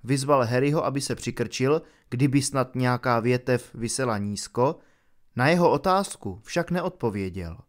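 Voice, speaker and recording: A man narrating an audiobook in a steady, measured way. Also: medium pitch.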